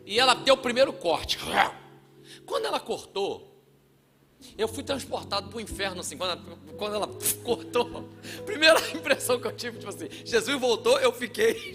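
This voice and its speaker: A man from Brazil preaching a sermon in a church, telling a story with acted-out voices and shouts. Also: very high voice. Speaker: pastor.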